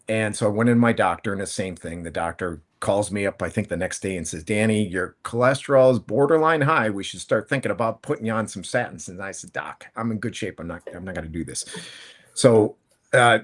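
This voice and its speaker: Man, fifties, low voice, casual panel chat, rambling, self-correcting. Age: 50s. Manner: rambling, conversational, frequent restarts and self-corrections. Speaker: panel guest, plant-based food entrepreneur.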